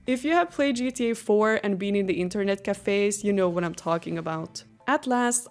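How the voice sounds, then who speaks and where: A woman's voice: medium pitch, a little mellow. A young woman whose first language is Swedish, reading a scripted, upbeat game review as a voice-over. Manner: earnest, upbeat, read from a script. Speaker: gaming YouTuber.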